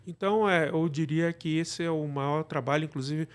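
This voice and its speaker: A Brazilian man speaks as a guest in a casual interview. His voice sits a little high for a man. He explains things conversationally, often adding short tag questions to check he is followed. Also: moderate pace, clear, resonant tone. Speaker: interview guest, audio drama producer.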